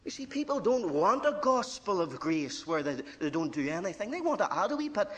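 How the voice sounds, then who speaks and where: A Northern Irish man preaching in a strikingly high voice. He leans hard on his declarations and drops low for asides. He speaks straight to the congregation as a friend. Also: sing-song, fairly quick. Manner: emphatic preaching, swinging between hushed asides and ringing declarations; addresses listeners directly as friend. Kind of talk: verse-by-verse sermon.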